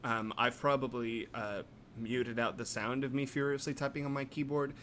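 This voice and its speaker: A man's voice: medium pitch, fairly even intonation, moderate pace, fairly bright tone, a little hiss or hum. A man in casual comedic chat, rambling and mock-outraged.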